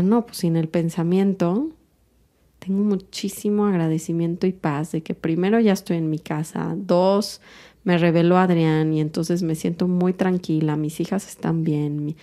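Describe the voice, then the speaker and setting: A woman speaks in a calm, introspective podcast monologue. Her voice is mellow and sits a little low. She works through her feelings in an unhurried, thoughtful way. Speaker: podcast host.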